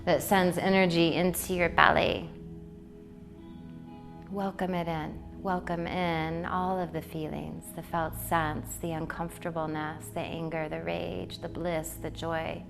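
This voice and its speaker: A woman leading a guided meditation in a poetic, soothing way, with deliberate phrasing and long pauses. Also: deep voice, flat delivery, vocal fry. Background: music.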